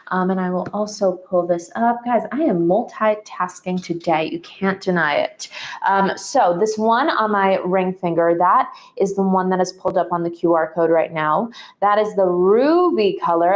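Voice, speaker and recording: A young woman hosts a live jewelry sales stream, chatting in an easy, gushing way. Her pitch sits in the middle, and her talk is loose, full of fillers and repeated praise. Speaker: shopping livestream host.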